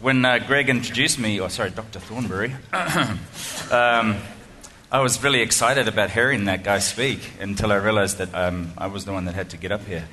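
Kiwi guy giving a talk, lowish voice, bright and forceful, lots of ums, self-deprecating jokes. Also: moderate pace, a little hiss or hum. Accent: New Zealand. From New Zealand. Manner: self-deprecating, chatty, many ums and restarts. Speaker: guest speaker. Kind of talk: humorous keynote speech. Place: lecture hall before an audience.

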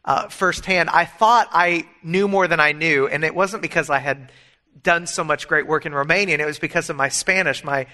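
A man's voice: on the high side, moderate pace, sharp tone. A middle-aged man preaching a sermon, earnest and emphatic, mixing scripture with personal stories. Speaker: pastor.

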